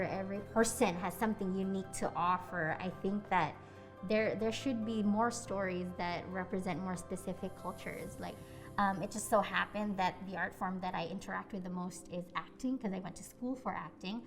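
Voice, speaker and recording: A woman, a Bisaya speaker, speaking earnestly and thoughtfully as an actress in a documentary interview. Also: medium pitch. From Philippines. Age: 20s.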